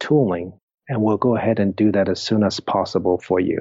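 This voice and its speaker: A man talks at a moderate pace in a fairly low-pitched voice. His pitch varies in an ordinary way. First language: not English. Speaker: negotiation coach. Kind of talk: interview.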